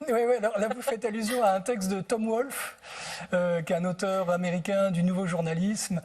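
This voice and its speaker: Husky-voiced man telling anecdotes. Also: sits high, steady tone, moderate pace, a little mellow. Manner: thoughtful, searching for words. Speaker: book translator, interview guest.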